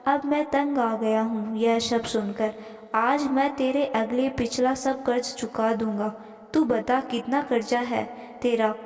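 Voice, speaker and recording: Woman as impatient grown son, high, scolding tone, echoey room with long tail. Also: steady tone, slow, a little mellow. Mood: challenging. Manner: scolding, complaining.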